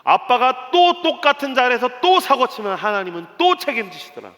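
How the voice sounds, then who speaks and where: A preacher as hushed, tender old father Abraham. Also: a little high, animated, pitched below the performer's own voice. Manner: hushed, slow and earnest. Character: aging father Abraham, tender, solemn, confiding. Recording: long hall reverb.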